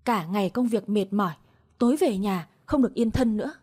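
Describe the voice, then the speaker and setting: A woman's voice: medium pitch, lively intonation, fairly quick, warm tone, lightly acted. A woman voicing a cruel older mother-in-law who scolds with harsh contempt. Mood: scolding.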